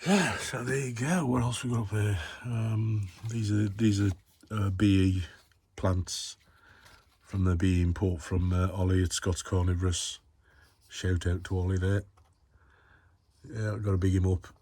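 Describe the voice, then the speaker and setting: Husky, low-pitched and a little mellow, this Black Country man from England speaks at a measured pace with fairly even intonation. He's a hobbyist vlogger rambling chattily and matily through a video tour of a warm grow tent inside a shed, in a Black Country English accent.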